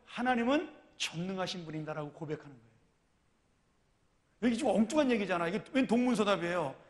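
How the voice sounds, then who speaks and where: A man's voice: high voice, animated, quick pace. A male pastor preaching a sermon in a chatty way, full of rhetorical questions, in a church. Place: church sanctuary. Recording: church hall reverb.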